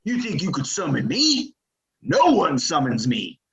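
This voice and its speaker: A man's voice: fairly high pitch, huge pitch swings, unhurried, creaky, full character voice. A man playing a menacing, vengeful outlaw colonel in a Western audio play, with folksy threatening frontier talk. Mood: enraged taunting. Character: ruthless, menacing Old West outlaw colonel, commanding and vengeful. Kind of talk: Western audio drama acting.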